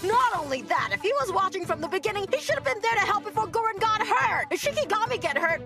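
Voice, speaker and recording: A woman's voice: very high-pitched, animated, fast, creaky, loud music behind the voice, full character voice. A woman voicing a spirited, hotheaded boy apprentice exorcist in an anime dub, brash and emotional. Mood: indignant.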